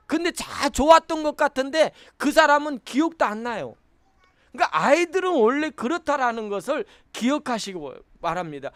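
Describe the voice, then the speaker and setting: A woman's voice: high-pitched, no echo, clean studio sound. A woman pastor preaching a sermon in a small church, emphatic and repetitive, asking the congregation questions and answering them herself.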